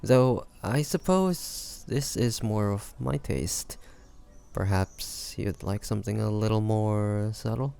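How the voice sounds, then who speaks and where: A man playing a roguish, protective pirate captain in a scripted audio roleplay, talking teasingly and intimately to the listener in a gravelly voice. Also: fairly low pitch, slow pace, mellow. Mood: teasing, indulgent. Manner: teasing, smooth-talking, intimate pet names. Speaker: voice actor.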